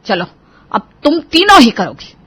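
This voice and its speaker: A woman's voice: high-pitched, sing-song, normal speed, a bit bright, slightly rough, pitched above the performer's own voice, full character voice. A woman voicing a bossy, scolding mother-in-law in a storybook tale. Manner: scolding, commanding. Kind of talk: storybook character voice.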